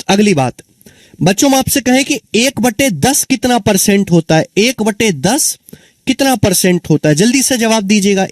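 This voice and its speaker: A man with a high voice teaches an exam-prep maths lesson, repeating answers and putting questions to his students, whom he calls children and friends. There is no room sound.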